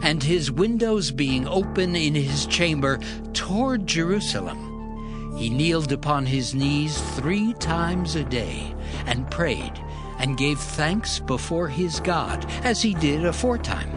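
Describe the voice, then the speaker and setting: A man's voice: a little high, animated, slow, music in the background. A man narrating a dramatized Bible in a solemn storytelling manner.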